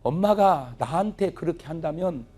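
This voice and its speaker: Middle-aged male pastor, husky and animated, storytelling sermon that plays out family dialogue. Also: on the high side, moderate pace. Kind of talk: revival sermon with humorous stories. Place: church revival meeting, audience laughing.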